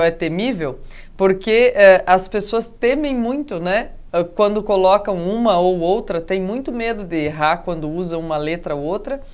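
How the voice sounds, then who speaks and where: A woman teacher with a Brazilian Portuguese accent, giving a video lesson and explaining step by step, often checking with her students and drawing out example words. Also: medium pitch. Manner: explanatory, frequent tag questions; drawn-out emphasis on example words.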